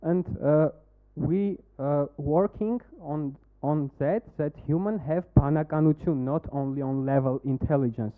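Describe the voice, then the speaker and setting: A man with an Armenian accent pitching a startup, then answering questions in halting English while searching for words. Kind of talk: demo day pitch and Q&A. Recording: phone-like narrow band.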